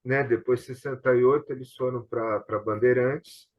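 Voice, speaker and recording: A man's voice: medium pitch, steady tone, normal speed. Brazilian man on a dull, lo-fi call. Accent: Brazilian Portuguese. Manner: rambling anecdotal delivery with frequent tag questions. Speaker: host of an online tribute talk. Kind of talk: casual conversation. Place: online video call. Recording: dull, lo-fi video call audio.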